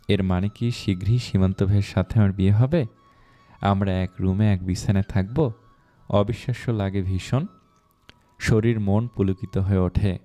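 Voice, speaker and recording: A man reads a first-person romance aloud in a scripted, heartfelt storytelling style. His voice is low and mellow, and soft music plays faintly underneath. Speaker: narrator.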